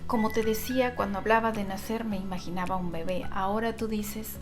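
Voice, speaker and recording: A woman's voice: medium pitch, steady tone, a little fast, music in the background. A woman co-hosting a Christian talk show, reflecting on and building on the guest's points. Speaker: co-host.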